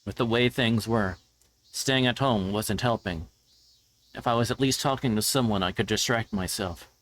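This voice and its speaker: Low-voiced man reading a story aloud. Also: moderate pace, a bit bright, slight background noise. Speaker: streamer reading a visual novel aloud. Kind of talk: scripted narration read aloud live. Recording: background music.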